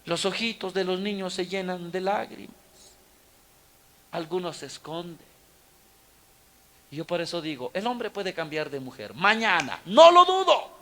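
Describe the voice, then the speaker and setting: A man's voice: high voice, a little slow, pauses often. A man, a Catholic preacher telling a story in a sermon, dramatic and exhorting, acting out the dialogue.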